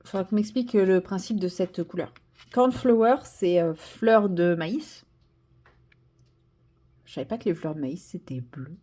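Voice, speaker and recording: With a fairly low, mellow voice, this French vlogger talks unhurriedly and pauses often as she colors at a desk indoors. Captured by a camera on a tripod, her casual chat is self-deprecating, with occasional whispers.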